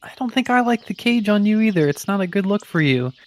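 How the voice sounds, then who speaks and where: A man's voice: sits high, animated, fast, dry recording, pitched above the performer's own voice. Man playing a kindly, whimsical forest ranger. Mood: reassuring. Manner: gentle, reassuring, casual. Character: kindly, whimsical, confident nature-loving male ranger.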